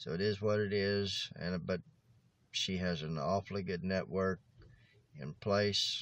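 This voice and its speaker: A man's very deep, low voice with an Appalachian accent, ordinary pitch variation, a fairly slow pace and long, frequent pauses, against a quiet background. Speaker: vlogger and camper. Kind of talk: casual vlog rant. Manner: halting, some stuttering. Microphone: handheld phone camera, low budget.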